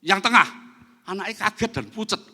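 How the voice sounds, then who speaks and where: A middle-aged male pastor, preaching a lively sermon and acting out dialogue in his stories. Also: sits high, brisk. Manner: animated, acts out dialogue in anecdotes. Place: large church hall. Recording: church hall with long reverb.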